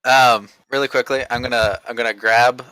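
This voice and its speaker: Bright-voiced man in casual game chat. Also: mid-range voice, level tone, normal speed, smooth, dry recording, rough recording. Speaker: tabletop game player.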